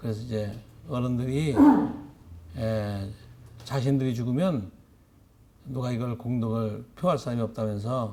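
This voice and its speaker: A man at a fairly slow pace with long, frequent pauses and audible room echo. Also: medium pitch for a man, ordinary pitch variation. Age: 70s. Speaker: lecturer, inventor and entrepreneur. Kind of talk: lecture. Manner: halting, with frequent fillers.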